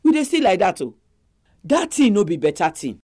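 A woman's voice: medium pitch, sing-song, moderate pace, a little mellow. A woman with a Nigerian accent hosting a Christian family talk program in Nigerian Pidgin, addressing listeners directly. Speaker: radio program host. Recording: music behind the voice. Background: music.

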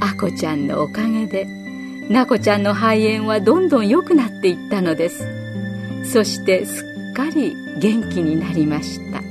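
A woman narrating a children's story in a gentle, measured storytelling manner. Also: medium pitch, animated. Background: faint music.

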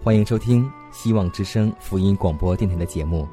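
A man hosting a Christian radio program, calmly reading a devotional text with measured pauses. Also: deep voice. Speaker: radio host. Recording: faint music behind the voice. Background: soft background music.

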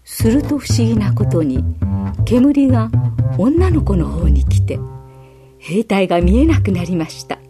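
A woman gently reading a children's Bible story aloud as scripted narration. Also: medium pitch, measured pace, music in the background. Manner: gentle, expressive reading with acted quotes.

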